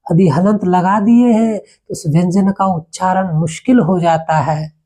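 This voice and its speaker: A woman teaching a grammar lesson, explaining with rhetorical questions and homely examples, then reciting letters slowly and carefully. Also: on the low side, dark tone.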